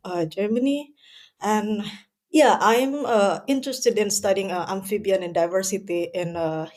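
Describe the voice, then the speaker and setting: A woman's voice: fairly low pitch, darkish tone. A woman researcher from Indonesia, introducing herself hesitantly with many fillers. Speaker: researcher, guest. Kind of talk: interview self-introduction.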